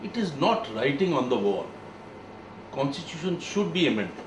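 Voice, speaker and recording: A man, giving firm, opinionated views in a group discussion, speaking with pauses and emphasis. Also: fairly high pitch, sing-song, noisy background. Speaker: panel discussant. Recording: echoey room, distant mic, faint background.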